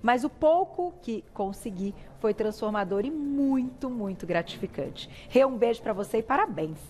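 A middle-aged Brazilian woman hosts a TV talk show, her voice sitting a little high. She chats warmly and tells personal stories with feeling. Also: animated, normal speed. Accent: Brazilian Portuguese. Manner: warm, chatty, emotional storytelling. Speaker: TV show host.

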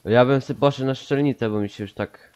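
A young man chatting in a relaxed, mumbling way while gaming with a friend, often trailing off. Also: medium pitch, brisk. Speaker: co-player. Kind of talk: casual co-op gameplay chat.

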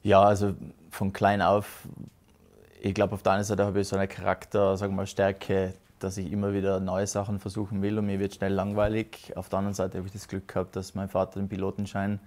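A man's voice: deep voice, monotone, a little fast, a little mellow. A man, a guest in a casual interview who hesitates and restarts often. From South Tyrol, Italy. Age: 30s. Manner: hesitant, many restarts and fillers. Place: rustic hotel lounge with fireplace.

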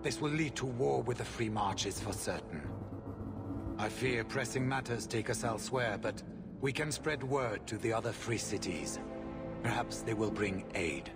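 An actor playing a grave, courteous knight of a warrior order in a fantasy game, speaking in a formal, measured way. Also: male voice, mid-range voice, over loud music, lightly acted. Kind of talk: scripted fantasy game dialogue.

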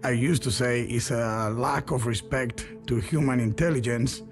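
A man's voice: medium pitch, normal speed, music in the background. A man from Cuba in his fifties, a truck driver, earnestly telling his testimony. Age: 50s.

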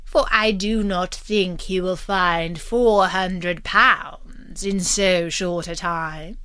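A woman's voice: lowish voice, fairly even intonation, bright, forceful tone, clear, resonant tone, no echo, exaggerated voice. A woman reading a storybook, voicing a haughty, merciless abbot in a curt, commanding way. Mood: smug. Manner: curt, commanding, slow emphatic delivery. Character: haughty, merciless male abbot, greedy and angry.

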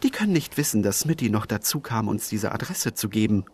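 An actor playing a sardonic, impatient newspaper reporter in a German crime audio drama. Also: male voice, on the low side, animated, fairly quick, slightly rough.

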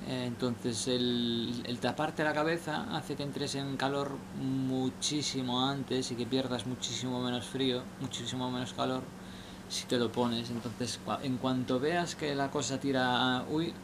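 A young vlogger stands under a station shelter at night, offering casual advice in a gravelly, mid-range voice. He rambles and hesitates, restarting often, and the outdoor recording is noisy.

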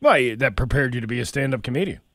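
A male morning radio co-host tossing in quick jokes and reading the weather. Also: medium pitch, lively intonation, fairly bright tone, dry recording, studio quality. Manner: quick joking asides and weather reads. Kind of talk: casual morning radio banter.

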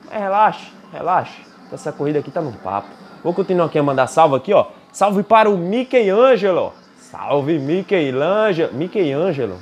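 A young Brazilian man with a Brazilian Portuguese accent, giving excitable gameplay commentary while racing and trash-talking the game. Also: fairly high pitch, moderate pace, hardly any pauses, slight background noise. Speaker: gaming YouTuber.

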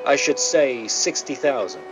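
Man as a wary crook, swinging, animated delivery. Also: medium pitch, a little slow, natural voice. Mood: wary, grudging. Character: wary, grudging male crooked business partner. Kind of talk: 1930s radio drama acting. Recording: muffled, noisy old-radio sound.

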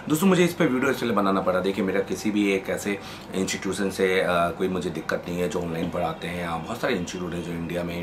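A man's voice: deep voice, a bit bright, slight background noise. A man who teaches mobile phone repair, giving an emphatic, repetitive, colloquial promotional talk to camera, mixing in English words.

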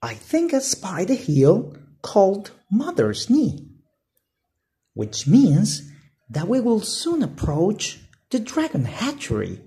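A woman voicing an excited, adventurous young boy explorer in a storybook, with hushed, urgent eagerness. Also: medium pitch, takes it slowly, pitched above the performer's own voice, heavily acted. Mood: eager.

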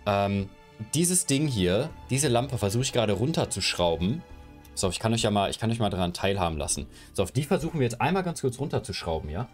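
A man's voice: on the low side, animated, a little fast, faint music behind. A young man streaming from his room on a headset mic, chatting loosely with his viewers while he moves his camera and gear around. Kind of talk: casual live stream chat. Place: home room, indoors.

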